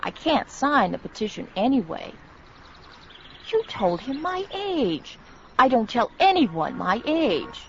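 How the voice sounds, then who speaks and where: Woman, 70s, high, curt; dull recording. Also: very animated, takes it slowly. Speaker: dialogue speaker in a language lesson. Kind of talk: scripted dialogue. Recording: dull lo-fi recording with faint noise.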